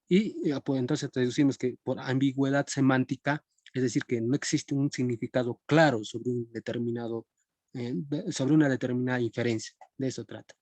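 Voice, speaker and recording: Mellow-voiced man teaching a class. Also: mid-range voice, no room sound. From Peru. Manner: conversational, checks in with students often. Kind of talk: live-streamed philosophy class.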